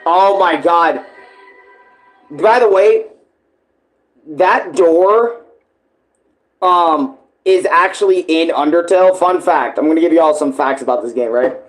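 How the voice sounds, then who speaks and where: Male reaction host, slightly higher pitch, rambling, slangy, profane, casual commentary. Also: slow, pauses often, faint music behind, poor audio.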